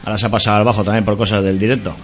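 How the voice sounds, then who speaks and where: A man's voice: on the low side, level tone, very fast, faint music behind. A man, a band member answering interview questions in a rambling, hesitant way. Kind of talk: casual interview.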